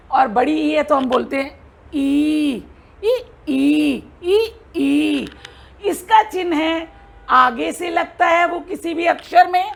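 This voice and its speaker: A woman's voice: high voice, vocal fry. A woman teaching a Hindi lesson to children, patiently drawing out and repeating each sound as she demonstrates.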